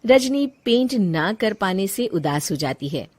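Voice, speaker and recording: A woman's voice: mid-range voice, big pitch swings, a little slow, a little mellow. A woman narrating a cartoon storybook in a plain storytelling manner.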